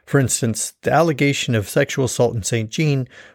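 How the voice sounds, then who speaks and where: A man with an American accent speaks at a fairly quick pace in an ordinary speaking voice, his pitch medium and its variation ordinary. The sound is dry and close with no echo, and the recording is very clean over a silent background. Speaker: podcast host, military defense lawyer. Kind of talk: scripted-style podcast discussion of case law. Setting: studio podcast recording.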